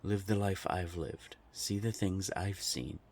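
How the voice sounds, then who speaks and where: A man playing a haughty centuries-old vampire in an audio drama, husky and gravelly, with a condescending, taunting, theatrical manner. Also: sits low, unhurried, darkish tone, a little hiss or hum. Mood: haughty disdain.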